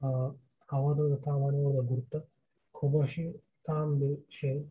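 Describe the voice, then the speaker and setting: A man's voice: mid-range voice, little pitch movement, normal speed, phone-quality sound. A man co-hosting a casual discussion, speaking self-admittedly poor Turkish, often searching for words and slipping in English terms. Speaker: podcast co-host. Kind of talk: casual wrestling history discussion.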